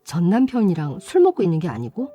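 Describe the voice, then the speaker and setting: A woman's voice: fairly low pitch, huge pitch swings, quick pace, dark tone, faint music behind. A woman acting a chatty, tattling younger relative in radio drama style. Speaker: storyteller voicing a gossiping younger relative.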